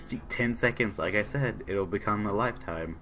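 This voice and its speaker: A hoarse young man with a sore throat, casually commentating a game he is playing, reading on-screen messages aloud and answering them. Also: fairly low pitch, normal speed, pushed and bright. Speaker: gaming channel host. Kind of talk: casual let's-play commentary.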